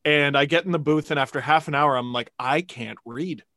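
A man's voice: fairly high pitch, steady tone, quick pace, bright, forceful tone, no room sound, studio quality. A man chatting casually as co-host of a sports podcast.

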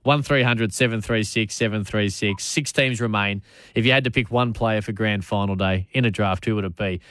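Bright-voiced Australian sports radio host. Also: male voice, fairly low pitch, normal speed, no echo, studio quality. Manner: matey, chatty, repeats phrase starts. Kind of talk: casual talkback commentary. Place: radio studio.

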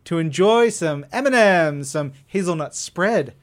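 Higher-voiced man, effusive podcast host. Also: lively intonation, measured pace. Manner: effusive, emphatic, with casual slang. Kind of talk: enthusiastic comics chat podcast.

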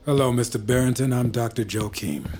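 An actor playing a calm, mercurial sorcerer-doctor who speaks in a measured, commanding way. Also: male voice, mid-range voice, slight background noise, lightly acted. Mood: composed. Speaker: actor in audio drama. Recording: loud score mixed under voice.

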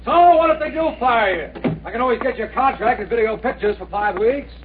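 A slick American Hollywood agent in 1950s radio drama, high-pitched and swooping. He is pushy, whining and wheedling, heard through a muffled, noisy old broadcast. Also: lively intonation, brisk. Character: slick, fast-talking, whining Hollywood talent agent man.

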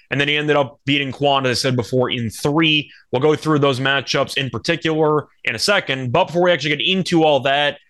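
A man's voice: mid-range voice, bright, forceful tone. A man speaking as a podcast host, giving conversational, analytical sports betting commentary.

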